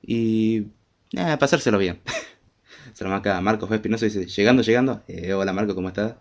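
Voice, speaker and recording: A man's voice: fairly low pitch, a little fast. A man with a Rioplatense Spanish accent and a congested, head-cold voice, hosting a casual live podcast in a jokey, informal way. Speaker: podcast host.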